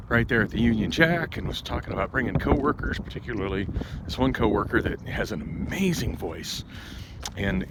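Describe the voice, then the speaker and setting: Loud wind batters the microphone as a man with a fairly low voice talks outdoors. He is vlogging on foot in a casual, rambling monologue. He drifts into side stories and circles back to his thread. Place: outdoors on a street, walking.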